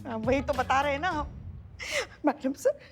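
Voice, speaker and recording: A fussy, emotional head constable in a TV police comedy serial, pleading and stammering in a very high voice. Music plays clearly under her lines. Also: animated, normal speed. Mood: distressed pleading. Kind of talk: TV serial acting.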